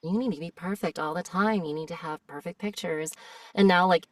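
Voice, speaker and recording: A woman's voice: on the low side, fairly quick, a crowd in the background. A young American woman, a voice actress, talking candidly and thoughtfully as a guest in a casual interview. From United States. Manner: reflective and candid. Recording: voice a bit distant from the mic.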